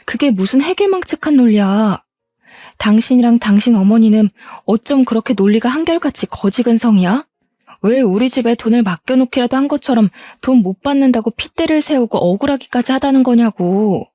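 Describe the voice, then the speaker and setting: A woman in her fifties narrates a family drama in first person. Her voice is mid-pitched with a mellow, dark tone and a dry, close sound. She turns sharp and accusatory in confrontations. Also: animated, a little fast, no echo. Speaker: narrator and wife.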